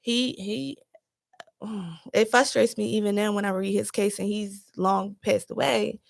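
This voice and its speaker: Gravelly-voiced woman, casual guest. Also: mid-range voice, steady tone, measured pace. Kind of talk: casual podcast chat.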